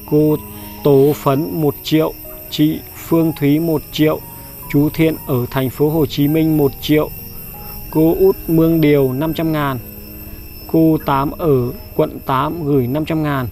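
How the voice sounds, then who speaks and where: A man hosting a vlog, briskly reading out a list of donors and coaxing and reassuring the person he is helping. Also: a little high, warm tone. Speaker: vlog host handing out charity money. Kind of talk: reading a donor list, then casual talk. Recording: light background music.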